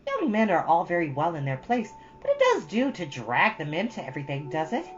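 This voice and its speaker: A woman's voice: fairly low pitch, wildly swooping pitch, a little fast, highs cut off, faint music behind. A woman voicing a chatty, earnest thirteen-year-old girl from a storybook, rambling with solemn drama. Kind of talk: storybook character reading.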